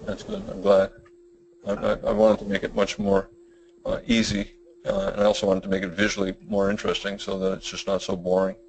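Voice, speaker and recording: A middle-aged man with a self-described boring, monotone voice presents a trading webinar, rambling through his points with many fillers and restarts. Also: lowish voice, a little fast, creaky, poor audio. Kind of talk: webinar lecture.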